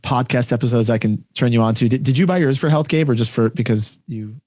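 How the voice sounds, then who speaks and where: A man's voice: medium pitch, fast, a little mellow, no echo, studio quality. A man co-hosting a podcast, chatting casually and rambling along with plenty of filler slang. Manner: chatty, rambling, peppers talk with "like" and "dude". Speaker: podcast co-host. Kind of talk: casual chat among friends.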